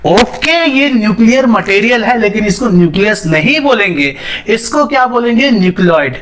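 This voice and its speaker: A man's voice: sits high, animated, normal speed, noisy background. A young man teaching a biology lesson, asking questions and answering them himself, mixing English terms into his speech. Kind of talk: classroom lesson with whiteboard.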